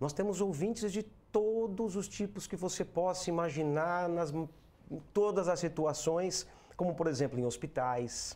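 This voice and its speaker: A man speaks at a fairly slow pace with a high pitch. His pitch varies in an ordinary way. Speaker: radio host. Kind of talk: interview.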